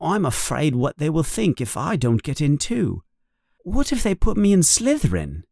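A narrator acting young schoolboy wizard, friendly but unsure, very animated pitch, casual hesitant delivery, storybook character. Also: slow, dry recording, clean studio sound, heavily acted. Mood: worried.

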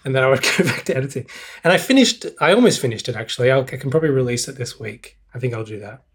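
Young guy on a podcast, dry self-mocking humor, keeps chuckling, average pitch. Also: lively intonation, rapid-fire, breathy edge. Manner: wry, self-mocking, laughs often. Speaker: podcast co-host. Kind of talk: casual chat.

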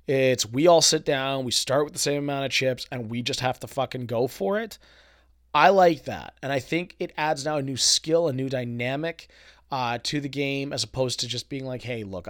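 A man hosting a casual solo podcast, with a dry, husky voice weakened by a cold, talking emphatically and informally. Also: mid-range voice, a bit bright. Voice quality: husky, gravelly. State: weak, dry voice after a cold. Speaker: podcast host and poker player.

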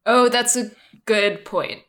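A woman's voice: on the high side, slow, fairly bright tone. A woman co-hosting a podcast in loose, informal conversation. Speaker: podcast co-host. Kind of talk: casual chat.

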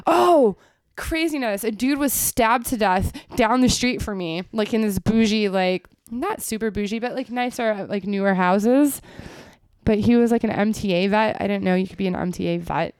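A woman with a mid-range, darkish, smooth voice talks at a normal pace, recorded with studio quality and no echo. She co-hosts a casual podcast from an apartment in Brooklyn, spinning long neighborhood stories. She's a chatty storyteller who leans heavily on "like" and swears casually now and then.

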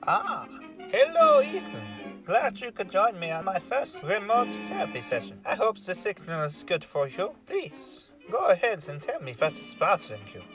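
A man's voice: high voice, wildly swooping pitch, normal speed, over music, full character voice, low-quality recording. A man playing an eager, fussy therapist with a coaxing, theatrical manner in an audio horror comedy. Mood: eager greeting.

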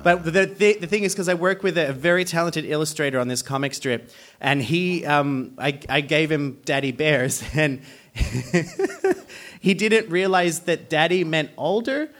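A man, co-hosting a comedy podcast on stage, animated and laughing often. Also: unhurried. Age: 30s. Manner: animated, laughs often, bursts of higher pitch. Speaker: podcast co-host. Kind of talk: casual comedic chat. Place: live stage with audience. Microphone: stage microphone.

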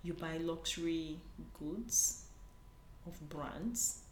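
Speaking extremely slowly in a low-pitched voice, this Nigerian conference panelist gives an earnest, searching interview and keeps restarting her sentences. Faint noise sits under the echo of the room.

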